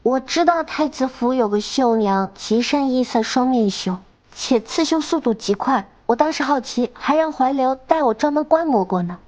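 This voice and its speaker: A woman's voice: high-pitched, lively intonation, normal speed, darkish tone. An actress playing a clever, composed young noblewoman in a period drama, courteous with playful asides. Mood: explaining. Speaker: commandery princess heroine.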